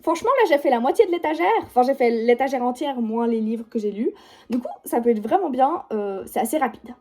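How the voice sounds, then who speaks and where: At home by her bookshelf, a young book vlogger of about 18 with a Swiss French accent rambles casually about her reading pile. She leans constantly on fillers like "genre" and "du coup," and her voice is a little high, brisk, and warm.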